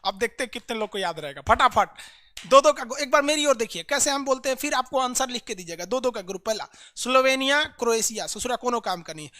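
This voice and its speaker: A man teaching an online map lesson, drilling students energetically with loud, rapid repetition. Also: very high voice, lively intonation, no echo.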